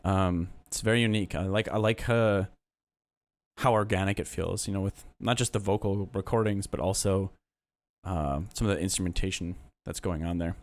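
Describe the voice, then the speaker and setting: A man hosting a casual livestream, giving relaxed, hesitant feedback on listeners' music with many pauses and fillers. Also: deep voice.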